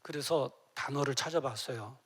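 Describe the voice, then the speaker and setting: Swinging from soft to loud, a middle-aged man preaches as a pastor with deep emotion, acting out tearful prayers that move between near-whispers and loud cries. His medium-pitched voice is slightly rough, and his pace is moderate.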